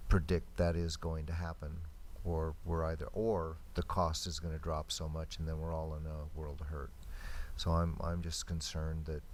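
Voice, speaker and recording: Deep-voiced, plain-spoken man with faint noise. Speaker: city council member. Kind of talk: informal remarks in a public meeting.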